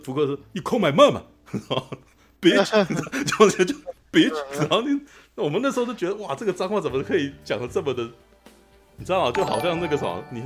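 A man, chatting as a podcast co-host and telling stories animatedly. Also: medium pitch. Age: 40s. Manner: animated storyteller, keeps asking "you know?". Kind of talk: casual chat.

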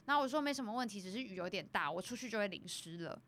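A young woman co-hosting a casual chat, telling an animated story and acting out the people in it. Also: medium pitch, rapid-fire, a little hiss or hum. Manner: animated storyteller, acts out her boss. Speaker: podcast co-host.

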